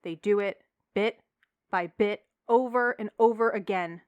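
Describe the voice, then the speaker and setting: A woman's voice: medium pitch, unhurried, darkish tone, smooth, dry recording, dull audio, lightly acted. A woman playing an impassioned politician in an audio drama, delivering an earnest, rhetorical campaign speech. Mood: grave, warning.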